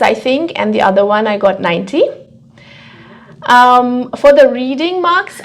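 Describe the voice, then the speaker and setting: Woman test coach chatting thru q&a, voice a bit on the high side. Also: vocal fry. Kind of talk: casual question-and-answer discussion.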